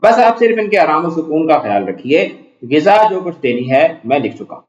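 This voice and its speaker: A man reading as a courteous calm doctor. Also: on the high side. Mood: reassuring. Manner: reassuring, formal and courteous. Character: calm polite male family doctor. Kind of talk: reading a play aloud in class. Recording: echoey room, dull lo-fi sound.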